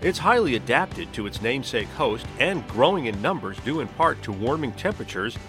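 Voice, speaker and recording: A man's voice: mid-range voice, sing-song, a little fast, music in the background. A man hosting a podcast, reading scripted narration in the manner of a nature documentary. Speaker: podcast host.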